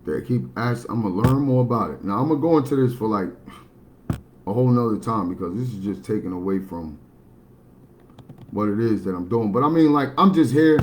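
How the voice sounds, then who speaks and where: Blunt baritone man speaking matter-of-factly. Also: lively intonation, fairly quick, slight background noise. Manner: blunt, matter-of-fact, rambling with restarts. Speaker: livestream host. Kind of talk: casual livestream monologue.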